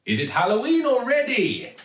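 A man voicing a cheerful, flattering male shopkeeper who talks in an effusive, overly polite way. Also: very high voice, moderate pace, voice pushed up, heavily acted. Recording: echoey, distant mic.

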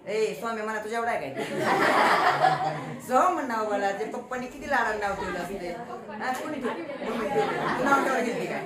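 During a classroom grammar lesson, a woman teacher with a Marathi accent and a voice on the high side playfully teases her pupils and quizzes them through call-and-response. The room echoes with children's voices.

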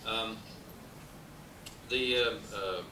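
With a low, steady voice and drawn-out words, an older Austrian man gives an academic lecture in an Austrian German accent from a desk mic on a stand. His delivery is discursive, full of hesitations and dry asides. Sound from the wood-paneled hall is roomy and distant, on a noisy VHS transfer.

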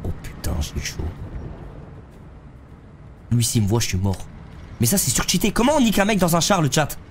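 A man's voice: a little high, wildly swooping pitch, moderate pace, a little hiss or hum. A young man, streaming a game live and chatting loosely with viewers in slangy talk while congested with a head cold. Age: young adult. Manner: slangy, loose, talks to chat while playing. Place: streaming room, seated in a gaming chair.

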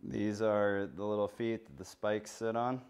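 A man's voice: lowish voice, steady tone, measured pace, a little mellow, clear, resonant tone. A young adult man presenting an unboxing in a casual, informal and enthusiastic way. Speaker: product presenter.

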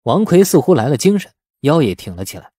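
Man, audiobook narrator, expressive dramatic storytelling, lively intonation, soft mellow timbre. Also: a little high, quick pace, husky, dry recording, clean studio sound. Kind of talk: dramatic scripted narration of a novel.

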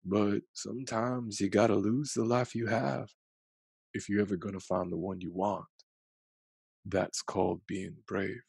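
A gentle old storybook grandfather, read by a man, speaks low and gravelly. His phrasing is folksy and honest, meant to reassure a child. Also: level tone, measured pace, no room sound, heavily acted. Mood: reflective.

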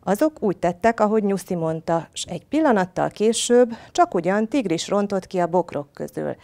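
A woman reading a children's folk tale aloud in a gentle, expressive storyteller manner. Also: medium pitch.

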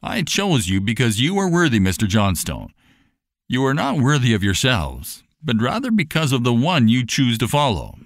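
A man's voice: mid-range voice, very animated, normal speed, no room sound, clean studio sound. A man voicing a kindly, devout fair owner in a storybook, speaking in an earnest, preaching, emphatic way.

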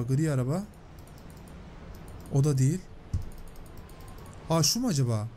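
A man doing excitable let's-play commentary, reading out and paraphrasing game dialogue in a chatty way. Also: fairly high pitch, a little hiss or hum. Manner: chatty, excitable, translating and paraphrasing on-screen lines. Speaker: gameplay commentator.

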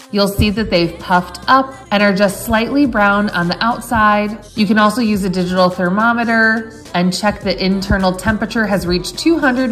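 A woman in her thirties narrating a casual home cooking vlog as she explains her meal prep. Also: medium pitch. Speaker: lifestyle vlogger and home cook. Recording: music behind the voice. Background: background music.

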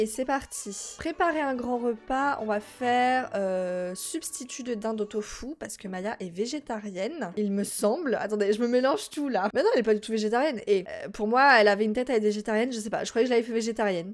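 A young French woman in her twenties talks through a video game in a loose, chatty way. Her voice sits slightly high, and she reacts loudly to everything that happens on screen. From France. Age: 20s. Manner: chatty, exclamatory, talks to viewers. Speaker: gaming YouTuber. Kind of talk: casual let's-play commentary.

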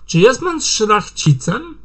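A man voicing a stately royal female alicorn princess in a fan story reading, speaking slowly and formally. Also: high-pitched, sing-song, a bit bright, slightly rough, voice pushed up, exaggerated voice.

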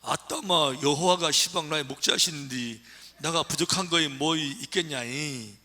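A man voicing an earthy man with a Jeolla dialect, reciting a psalm in a loud, drawling, folksy way. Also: on the high side, normal speed. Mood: hearty.

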